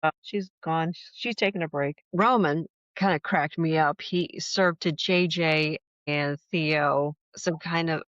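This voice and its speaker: A woman's voice: low-pitched, a little slow, few pauses, a bit bright, no room sound. A woman hosting a podcast, casually recapping a soap opera in a frank, chatty way with plenty of fillers. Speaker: podcast host. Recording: dull lo-fi sound.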